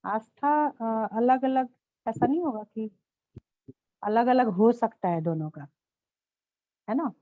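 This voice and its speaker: A woman's voice: fairly high pitch, no room sound. Hesitant woman on a tinny line. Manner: hesitant, halting, many pauses and fillers. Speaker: session participant asking questions. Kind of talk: asking questions in a spiritual session.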